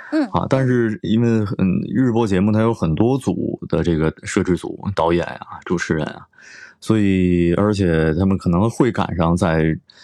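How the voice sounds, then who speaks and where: A man's fairly low, dark, mellow voice at a moderate pace, with ordinary pitch variation and a quiet background. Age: young. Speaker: voice actor. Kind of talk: interview.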